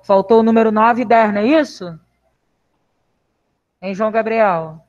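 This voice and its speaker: Brazilian woman teacher on a video call, middle pitch, patient, coaxing; lo-fi sound. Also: moderate pace, darkish tone. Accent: Brazilian Portuguese. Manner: patient, reassuring, coaxing questions. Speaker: primary school teacher. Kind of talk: live online class with children.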